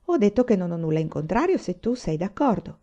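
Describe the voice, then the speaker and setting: A woman doing a hushed, kindly frontier mother. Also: medium pitch, very animated, brisk, lo-fi sound. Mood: gentle.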